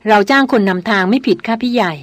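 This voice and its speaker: A woman voicing a young woman who speaks softly, slowly and clearly in an audiobook. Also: fairly high pitch, no room sound, lightly acted. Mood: earnest. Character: young woman, soft-spoken and deliberate.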